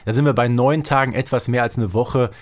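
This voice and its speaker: A man of average pitch co-hosts a podcast. He talks in a casual, conversational way and underlines his opinions with emphatic repetition. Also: steady tone, fairly quick. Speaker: podcast co-host.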